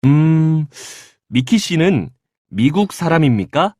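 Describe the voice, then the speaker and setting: A man playing a young student in a scripted language-lesson dialogue, speaking politely and clearly. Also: fairly high pitch, sing-song, slow pace, a little mellow, no room sound, clean studio sound, heavily acted. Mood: polite, curious.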